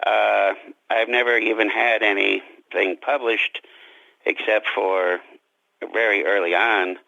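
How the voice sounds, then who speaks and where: A man's voice: fairly low pitch, fairly even intonation, slow, gravelly, pushed and bright, no echo, highs cut off. A man being interviewed as an author, conversational and courteous, with formal turns of phrase and a self-deprecating manner.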